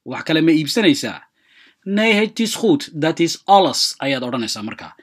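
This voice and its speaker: Language teacher, talks fast then says each phrase slow and high, pitch jumps all over. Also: very animated. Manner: explains quickly, then repeats example phrases slowly and higher. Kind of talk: radio-style language lesson.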